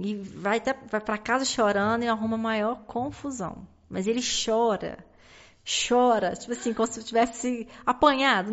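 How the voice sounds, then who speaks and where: A woman with a Brazilian Portuguese accent, a podcast guest, telling her story as a mother with many pauses, restarts and tag questions. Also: a little high. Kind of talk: personal storytelling in a conversation. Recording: dull lo-fi recording.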